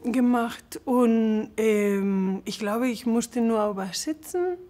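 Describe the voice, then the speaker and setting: A woman's voice: on the high side, slow, warm tone. A woman in her forties from Spain, speaking German with a Spanish accent as an interview guest, hesitating with many fillers and laughing often. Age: 40s. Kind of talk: casual interview, non-native German.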